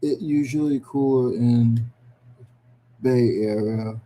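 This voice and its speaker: A man's voice: mid-range voice, slow pace, mellow. A man with a New England accent hosting a casual live stream, greeting viewers by name and joking about himself. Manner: chatty, greets viewers by name, self-deprecating jokes. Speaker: livestream host. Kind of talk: casual livestream chat.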